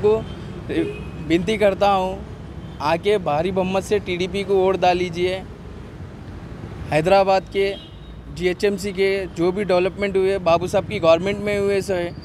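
A man's voice: high-pitched, little pitch movement, a little slow, pauses often, a little mellow. A young man with a Hyderabadi accent, an election candidate making an appeal to press microphones outdoors. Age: young adult. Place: busy street, outdoors. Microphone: handheld press microphones held close. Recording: faint outdoor street noise.

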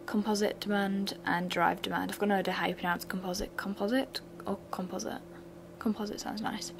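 Young woman, mid-pitched, slightly raspy, flat bored delivery, casual revision voice-over. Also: brisk, noisy background. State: slightly raspy from sore throat. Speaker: revision channel host.

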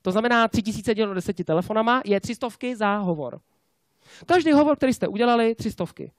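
A man with a high-pitched voice delivers a lively motivational sales talk at a conference. He keeps tossing rhetorical questions at the crowd and tags his points with quick checks for agreement. The sound is dry and close. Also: no echo. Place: conference stage before a live audience.

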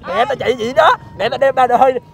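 A man talks fast in a very high voice, feeding joking lines to his friends. A loud crowd rumbles behind him. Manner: feeds punchlines, playful. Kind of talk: teasing casual banter. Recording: talk over a loud crowd.

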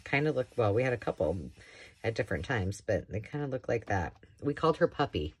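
A craft channel host sits at a craft table indoors, showing off thrifted books in a chatty, rambling way with enthusiastic asides. Her voice rumbles low with lively intonation, she talks briskly, and there's slight background noise.

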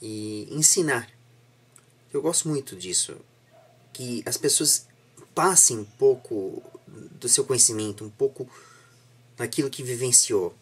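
A young man with a Brazilian accent and a slightly husky voice, chatting reflectively as an interviewer, repeating and rephrasing himself earnestly. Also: medium pitch, measured pace, pauses often. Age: young adult. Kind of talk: casual reflective interview chat. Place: small home room indoors, seated on a sofa.

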